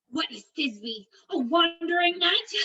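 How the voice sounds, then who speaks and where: In a put-on character voice, a woman speaks at a fairly slow pace with an extremely high pitch and very wide pitch swings. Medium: stage play.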